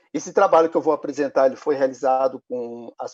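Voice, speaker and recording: A man with a rural São Paulo accent speaks at a moderate pace in a dark, mellow tone, the sound dry and close with no echo. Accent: São Paulo countryside (caipira). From interior of São Paulo state, Brazil. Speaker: education researcher. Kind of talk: academic presentation. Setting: video call. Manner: halting, many repetitions and fillers. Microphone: phone camera, recording from phone.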